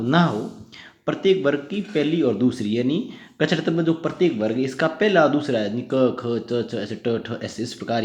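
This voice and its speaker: A man's voice: medium pitch, a little mellow. A man teaching a grammar lesson, asking his students questions and answering them himself, often repeating points. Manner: asks and answers his own questions, repetitive. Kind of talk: Hindi grammar lecture. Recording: echoey room, faint noise.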